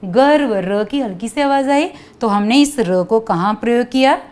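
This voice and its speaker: A woman teacher giving a patient grammar lesson to children, repeating words slowly and asking them to say them with her. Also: fairly high pitch, expressive, darkish tone.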